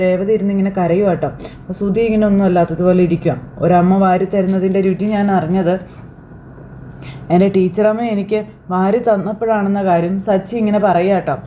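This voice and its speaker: A woman's voice: mid-range voice, mellow, a little hiss or hum. A woman retelling a TV serial episode in a casual, chatty storytelling way. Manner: chatty, storytelling with tag questions. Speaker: serial recap vlogger. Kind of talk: casual episode recap narration.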